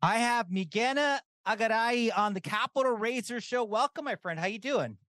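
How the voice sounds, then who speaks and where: A male podcast host with a notably high voice. He keeps things upbeat and energetic, welcoming his guest and steering the conversation. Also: moderate pace, faint music behind. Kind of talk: podcast intro and interview.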